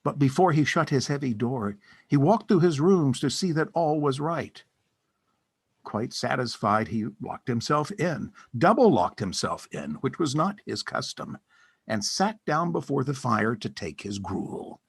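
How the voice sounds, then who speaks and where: A man narrating a scripted story for an audio drama in a theatrical, deliberate storytelling manner. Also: medium pitch, lively intonation, vocal fry, husky, no echo.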